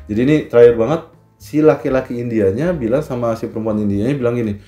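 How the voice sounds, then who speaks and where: A man co-hosting a casual film review chat, talking in a relaxed, slangy way. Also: medium pitch, fast. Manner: relaxed, chatty slang-filled talk. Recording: roomy echo, faint music behind.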